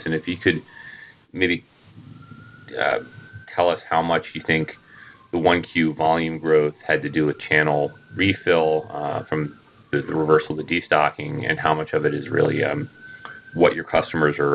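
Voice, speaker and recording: Man, analyst caller, halting delivery, heavy vocal fry, dull lo-fi call audio. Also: very deep voice. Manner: halting, repeats words. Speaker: analyst calling in with questions. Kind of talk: unscripted questions on conference call. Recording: dull lo-fi conference line.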